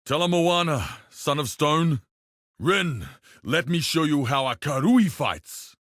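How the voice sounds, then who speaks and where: Casting: proud tribal warrior for a video game, solemn and fierce, mid-pitched, slow and measured, close dry sound. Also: male voice, sing-song, fairly bright tone, no echo, heavily acted. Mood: stern, solemn. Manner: solemn, declamatory, measured delivery. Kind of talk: video game character voice lines.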